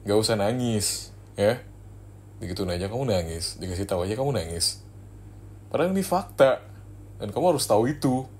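A man's voice: lowish voice, lively intonation, fairly quick, pauses often, a little mellow, a little hiss or hum, natural voice. A young man voicing a cold, dismissive husband in an arranged marriage, in a spoken ASMR role-play. He talks bluntly in casual slang and slips English phrases in between. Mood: irritated, blunt.

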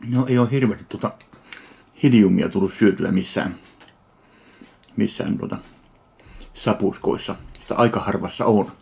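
A man from Finland tasting and reviewing a ready meal in slow, dry, deadpan remarks. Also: lowish voice, vocal fry. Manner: slow, dry, deadpan commentary between bites. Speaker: food reviewer. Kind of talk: casual food tasting review.

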